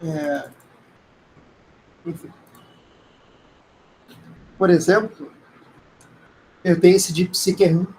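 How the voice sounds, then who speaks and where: Higher-pitched Brazilian man teaching informally. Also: fairly even intonation, extremely slow, long pauses, mellow, low-quality recording. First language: Portuguese. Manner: conversational, hesitant, frequent tag questions. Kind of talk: informal live lecture with screen demonstration.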